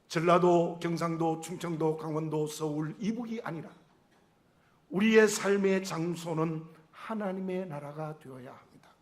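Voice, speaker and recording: The voice of this middle-aged male pastor sits high, shaped by a regional Korean dialect intonation. He delivers a sermon earnestly and in a measured way, raising rhetorical questions.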